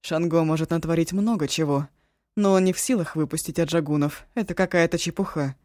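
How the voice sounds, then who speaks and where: A woman voicing a proud, volatile young woman who swings between harsh words and shrill, sobbing outbursts. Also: fairly quick, a little mellow, no room sound, studio quality, lightly acted.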